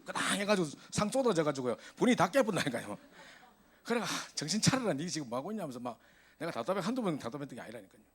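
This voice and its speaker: A man preaching a sermon to a youth service, telling stories in an animated way. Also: fairly high pitch, breathy edge. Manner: animated storytelling, voice rising in exasperation.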